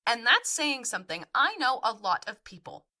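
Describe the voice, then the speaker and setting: A woman's voice: a little high, big pitch swings, moderate pace, sharp tone, full character voice. An actress playing a supportive, frank young woman in naturalistic audio drama dialogue. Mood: encouraging.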